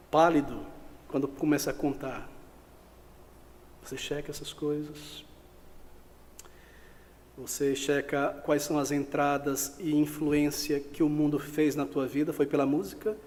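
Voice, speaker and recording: A man's voice: on the high side, darkish tone, long reverb tail, a little hiss or hum. A man preaching an expository sermon as pastor, pressing his listeners with rhetorical questions.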